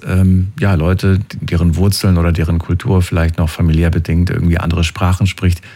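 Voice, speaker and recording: Rambling low-voiced male interviewer. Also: a little mellow. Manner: rambling, hesitant questions with many fillers. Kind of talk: casual conversational interview.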